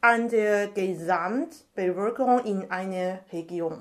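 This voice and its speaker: Her pace is very slow. The woman's recording is very clean, over a silent background. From Taiwan. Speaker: master's student. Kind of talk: interview. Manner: halting, many fillers.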